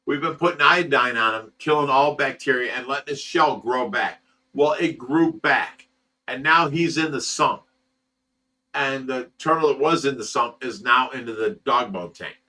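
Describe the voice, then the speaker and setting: A man in his sixties with a bright, forceful voice, chatting on a livestream. He reads comments aloud and tells loose, profane stories. His voice is picked up from a distance. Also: medium pitch, normal speed. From Ohio, USA. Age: 60s. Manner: rambling storyteller, swears freely and laughs often. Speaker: fish rescue host. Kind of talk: casual livestream chat reading viewer comments.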